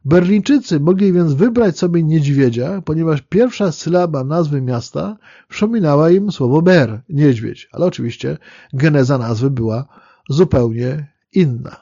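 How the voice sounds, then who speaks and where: A man giving a spoken history lecture in a measured, explanatory way, pausing on fillers and correcting himself as he goes. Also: on the high side, animated, mellow, no room sound, lo-fi sound.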